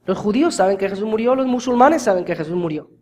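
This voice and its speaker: A man preaching a sermon as pastor, talking straight to his congregation and swinging from hushed, slow words to loud, urgent emphasis. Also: high voice, lively intonation. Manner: addresses the congregation directly as brothers.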